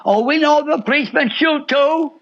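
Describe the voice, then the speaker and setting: A man's voice: very high voice, normal speed, a bit bright. A man preaching a radio sermon in a fiery, sing-song way with sudden swoops and repeated phrases. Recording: muffled shortwave radio broadcast.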